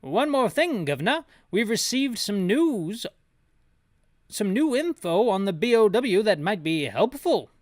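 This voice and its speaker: A man's voice: high-pitched, sing-song, measured pace, no room sound, studio quality, voice pushed up. A man voicing a pompous, officious headquarters operator from a military video game, in a declamatory manner.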